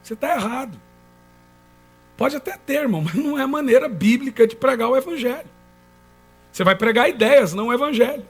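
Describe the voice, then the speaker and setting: A man's voice: extremely high pitch, expressive, brisk, pauses often, breathy edge. A man preaching a sermon to a congregation, emphatic and calling on the listeners to answer back. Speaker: pastor. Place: church in front of a congregation.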